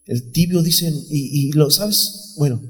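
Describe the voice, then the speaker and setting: A man's voice: fairly high pitch, measured pace, fairly bright tone. A man preaching an informal sermon, talking conversationally and calling listeners brother. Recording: echoey hall, faint music behind.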